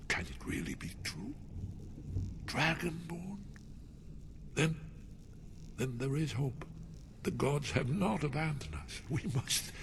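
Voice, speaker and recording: An actor playing a paranoid, fatalistic old scholar in a video game, agitated and muttering in a theatrical way. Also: male voice, medium pitch, creaky, slight background noise, full character voice. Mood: amazed, urgent. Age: older. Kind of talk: video game character acting.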